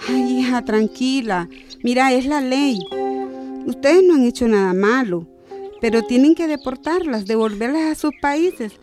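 A motherly nun, radio drama, high voice, music under it. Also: unhurried. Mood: soothing. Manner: soothing, motherly, calm. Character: gentle but firm adult female nun. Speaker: nun running a shelter.

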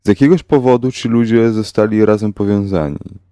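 A man narrating a horror story in a slow, measured, grave way. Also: fairly low pitch, warm tone, no echo, studio quality. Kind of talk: scripted horror audiobook narration.

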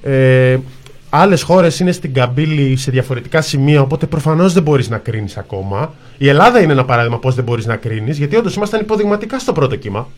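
A man's voice: medium pitch, lively intonation. A man with a middle-range voice co-hosting a political talk show. He argues insistently and stacks up lists of examples. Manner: insistent, argumentative, piles up lists. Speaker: co-host. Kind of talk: casual political commentary.

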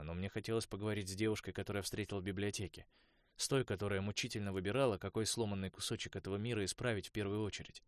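A man narrating a novel as an audiobook in a measured, even storytelling manner. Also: lowish voice, no echo, studio quality.

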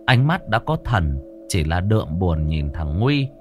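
A man narrating a ghost story in a dramatic, expressive way. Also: low-pitched, unhurried, over music.

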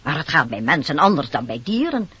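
In a Dutch radio play, an actress voices a disguised, scheming peddler woman who coaxes and wheedles with insistent sales patter, sounding sly and persuasive. Her low, exaggerated voice swings widely in pitch, runs a little fast, and sounds sharp and slightly rough, with no room sound on a dull, noisy old radio recording.

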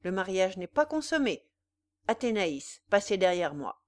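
A woman's voice: medium pitch, sing-song, a little slow. A stern old white-haired farmer, as a woman reads him. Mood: stern indignation. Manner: stern and forceful.

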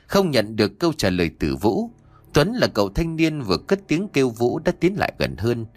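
A male horror storyteller narrates with a very animated, sweeping voice. He is recorded dry and close, with faint music under the narration. His delivery is dramatic and measured. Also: mid-range voice, no room sound.

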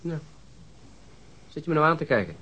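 An actor in a radio drama playing a grumbling police detective, blunt and sarcastic. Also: male voice, a little high, sing-song, moderate pace, pushed and bright, lo-fi sound, a little hiss or hum. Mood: impatient, blunt. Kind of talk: Dutch radio drama acting.

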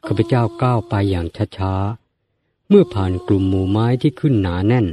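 Male audiobook narrator with a dark, low voice and a measured, formal read, faint music underneath. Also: animated. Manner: measured, formal storytelling delivery. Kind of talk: scripted story narration.

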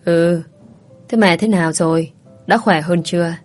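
A woman voicing a caring older female friend who talks briskly and worriedly. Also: on the low side, faint music behind, lightly acted. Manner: brisk, worried, scolding kindly.

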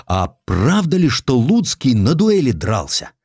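A man voicing excitable young naval cadets in a historical audiobook, urgent and gossiping. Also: medium pitch, measured pace, slightly rough, no echo, clean studio sound, voice pushed up, heavily acted. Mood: alarmed. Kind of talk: Russian audiobook character acting.

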